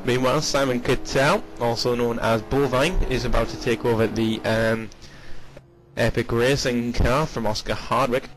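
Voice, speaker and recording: A man co-commentating an online race, upbeat and easily excited. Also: medium pitch, moderate pace, noisy background. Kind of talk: live race commentary and interview.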